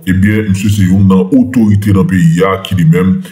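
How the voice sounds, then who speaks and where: A man's voice: sits low, fairly even intonation, moderate pace, mellow. A man hosting an online news channel, rallying viewers and introducing a segment with lots of fillers. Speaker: channel host.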